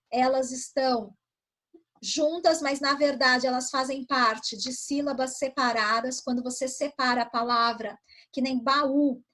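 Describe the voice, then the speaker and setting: A woman's voice: high-pitched, sharp tone. A woman primary school teacher reviewing a lesson with pupils over a video call, explaining patiently and asking them questions. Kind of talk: online class review with pupils.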